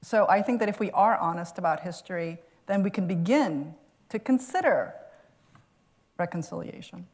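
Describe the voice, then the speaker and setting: A woman's voice: on the low side, animated, moderate pace, a little mellow, breathy edge. A woman author answering an audience question at a lecture, earnest and reflective, laughing now and then. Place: lecture hall.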